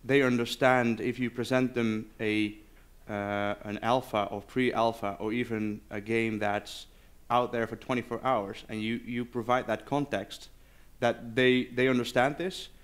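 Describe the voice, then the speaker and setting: A man's voice: mid-range voice, steady tone, smooth. Guy at a conference doing q&a, clean resonant voice, keeps stopping to find his words. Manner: halting, searching for words. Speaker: conference speaker, game developer. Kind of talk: informal question-and-answer after a presentation. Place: live conference session.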